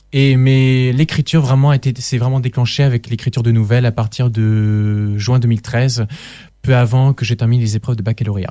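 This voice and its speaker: With a dark, mellow tone, a man speaks at medium pitch, his intonation fairly even and his loudness very even. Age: 20s. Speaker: author. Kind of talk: radio interview. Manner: hesitant, many fillers.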